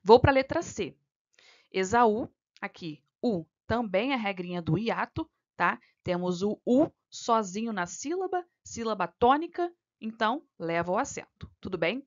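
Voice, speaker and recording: A woman's voice: mid-range voice, expressive, a little slow. A woman from Brazil tutors exam candidates through a grammar question, patient and methodical. She checks in constantly with her listener as she goes. The recording sounds a little dull and lo-fi. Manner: frequent "tá?" and "né?" checks, patient step-by-step explaining. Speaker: exam-prep teacher.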